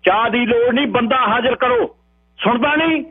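A man's voice: high-pitched, normal speed, no echo, pitched above the performer's own voice. A man voicing a stern, menacing police inspector who barks orders, heard over a tinny radio broadcast with a hum. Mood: commanding. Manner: bossy, menacing, orders people about. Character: stern middle-aged male police inspector.

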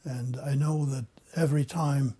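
An older man whose first language is German gives measured, reflective testimony. His voice is dark and somewhat husky. He is interviewed indoors in an office. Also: medium pitch, steady tone.

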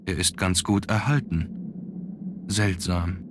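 A man playing a brooding young nobleman in a gothic horror adventure game, speaking in a measured, serious, clearly enunciated way. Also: low voice, fairly even intonation, noisy background. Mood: brooding, matter-of-fact. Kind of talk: scripted adventure game voice acting. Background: game music.

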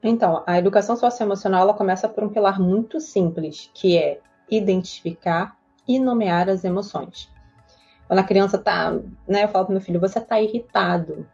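Speaking briskly in a mid-range, slightly mellow voice, a Brazilian woman who works as a child psychologist walks an interviewer through emotions one step at a time. Her Brazilian Portuguese accent comes through, and she earnestly drops "né?" again and again. Faint music sits under the slightly dull, lo-fi recording.

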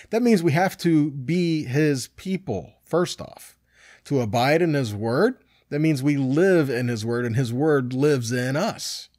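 A man's voice: medium pitch, a little mellow, no room sound. Conversational middle-aged male Bible teacher, dry sound. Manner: conversational, asks and answers own questions. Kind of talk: informal sermon with scripture readings.

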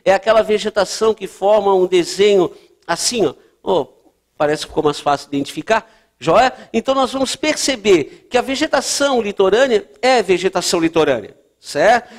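A man teaching geography for a test-prep course, explaining at a board and checking in often with his students. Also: high-pitched. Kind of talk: lecture at a board.

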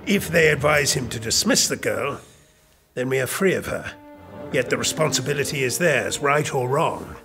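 A man playing a scheming, controlling royal chamberlain in an audio drama, with a measured, formal, commanding way of speaking. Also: medium pitch, lively intonation, vocal fry, over music. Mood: calculating.

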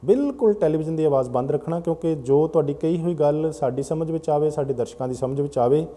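A man's voice: a little high, fast talker, mellow. A man hosting a televised call-in talk show, patiently explaining at length to callers. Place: TV studio.

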